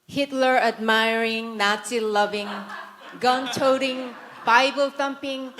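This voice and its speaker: A native Korean speaker from South Korea, this woman gives a prepared conference speech in Korean-accented English, packed with dry, sarcastic humor and mock-serious asides. Her voice is a little high, slow, and fairly even in intonation, with background noise present.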